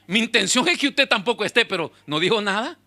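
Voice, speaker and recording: A man preaching a sermon as pastor, swinging between loud exhortation and hushed asides to the congregation. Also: sits high, animated, quick pace. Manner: speaks directly to the congregation with rhetorical questions.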